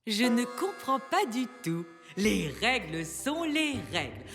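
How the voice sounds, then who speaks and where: A woman voicing a bossy country baker in an animated cartoon, theatrical and flowery, with sugary condescension. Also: on the high side, slow, full character voice. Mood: firm, dismissive. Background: background music.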